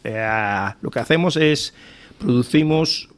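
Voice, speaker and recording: A man's voice: mid-range voice, expressive, slow pace. Cuban-born man searching for words. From Cuba. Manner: searches for words, laughs easily. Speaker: think-tank guest. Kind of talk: casual radio panel talk.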